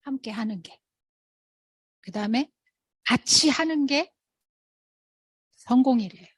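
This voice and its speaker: Lively woman telling stories to a crowd. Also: sits high, slow pace, husky, dry recording, clean studio sound. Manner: animated, acts out quoted people in raised voice. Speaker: motivational speaker at a sales meeting. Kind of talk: storytelling talk to an audience.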